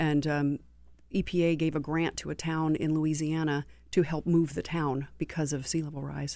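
This woman's voice is very deep and low, with a dark, mellow tone and monotone, flat intonation. She talks at a moderate pace in a very clean recording with a silent background. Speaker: climate policy expert. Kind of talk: interview.

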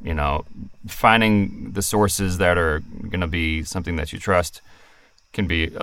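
In a very clean recording with a silent background, a man with an ordinary speaking voice and an American accent talks with ordinary pitch variation. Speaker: personal trainer. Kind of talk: casual interview.

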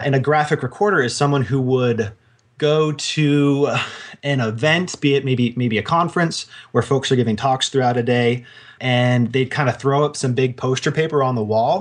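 With an American accent, a man talks at a medium pitch and a moderate pace, with ordinary pitch variation and very even loudness. It is a plain, everyday voice against a quiet background. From Oregon, US. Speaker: sketch artist and former teacher. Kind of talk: casual interview.

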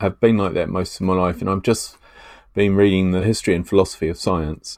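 This man has a very deep, low voice with a New Zealand accent. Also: very clean recording, silent background. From New Zealand, small town. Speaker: Buddhist scholar. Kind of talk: interview conversation.

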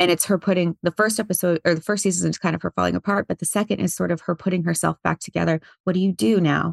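A woman's fairly low, vocal-fried voice at a very fast pace, fairly even in intonation, dry and close with no echo. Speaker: online creator and author. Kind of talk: casual interview conversation.

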